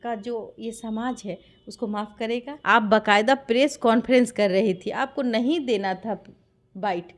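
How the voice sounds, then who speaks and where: High-voiced, insistent Bihari woman. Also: measured pace. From Bihar, India. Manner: insistent, full of rhetorical questions. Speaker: interviewee giving her account of a dispute. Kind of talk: impassioned interview testimony.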